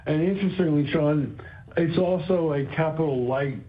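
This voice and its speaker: A man speaking as a company executive on an earnings call, explaining in a halting way and repeating phrases for emphasis. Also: on the high side. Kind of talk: earnings call remarks, semi-prepared explanation. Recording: dull, band-limited conference call audio.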